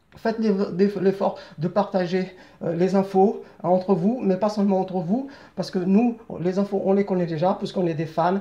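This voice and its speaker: A man talks with a high pitch and fairly even intonation. Noticeable background noise runs behind him. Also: moderate pace. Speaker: fan vlogger. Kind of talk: live video talk. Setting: live stream from phone. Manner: halting, many repetitions and fillers.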